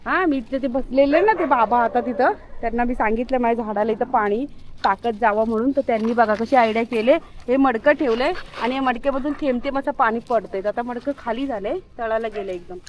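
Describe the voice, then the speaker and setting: A woman's voice: on the high side, a little fast, a little hiss or hum. Chatty woman walking her dog outdoors. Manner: chatty, with many fillers. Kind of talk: casual vlog chat. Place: outdoors in an open hillside ground.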